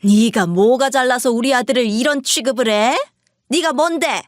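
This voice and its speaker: A woman voicing a shrill, contemptuous older mother-in-law who berates her daughter-in-law in a piercing, shouting tone. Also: normal speed, no room sound, studio quality, natural voice. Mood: furious scolding.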